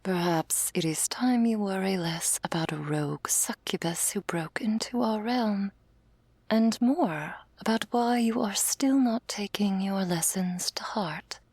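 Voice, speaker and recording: Actress as patronising female elder angel for whispered role-play audio drama; stern, measured, breathy with gravelly fry, dry close sound. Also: medium pitch, darkish tone, no room sound. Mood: reproving. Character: stern, condescending female elder angel, commanding mother superior.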